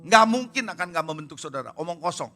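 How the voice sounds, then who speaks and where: High, bright-voiced man preaching. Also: lively intonation, fast talker, soft background music. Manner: emphatic, keeps asking the congregation rhetorical questions. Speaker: pastor. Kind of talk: sermon. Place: church service.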